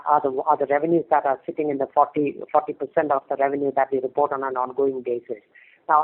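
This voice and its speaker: A male company executive answering investors on an earnings call, explaining hesitantly and repeating words over a phone line. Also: on the high side. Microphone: phone conference call. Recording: narrow, tinny conference phone line.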